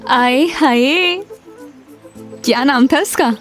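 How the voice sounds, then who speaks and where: Woman playing a curious, teasing lady, chatty, higher pitch. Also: expressive, moderate pace, darkish tone, soft background music, close to an everyday voice.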